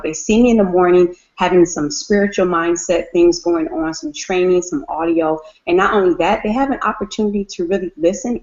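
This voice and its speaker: Upbeat woman in her thirties, low voice. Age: 30s. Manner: upbeat, repetitive emphasis. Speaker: guest mother. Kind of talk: casual call chat. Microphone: video call. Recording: lo-fi call audio.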